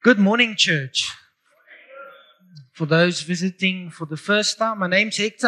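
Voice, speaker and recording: A man's voice: high voice, pushed and bright, rough recording. A middle-aged man with a South African English accent, preaching a sermon in church, moving from prayer to chatty, upbeat talk with the congregation. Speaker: pastor. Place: church hall.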